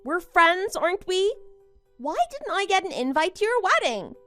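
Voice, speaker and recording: A woman's voice: very high-pitched, sing-song, normal speed, pushed and bright, faint music behind, exaggerated voice. A woman playing a smug, boastful young bride in a melodramatic story, taunting and condescending as she exclaims. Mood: gloating, taunting. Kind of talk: melodramatic animated-story voice acting.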